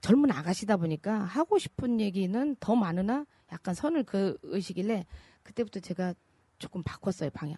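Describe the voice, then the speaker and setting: Against a quiet background with a dry, close sound and no echo, a woman with a medium pitch and a dark, mellow, somewhat breathy tone speaks at a moderate pace with lively intonation. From Jeonju, Jeolla, South Korea. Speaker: urban regeneration activist. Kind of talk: interview. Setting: studio.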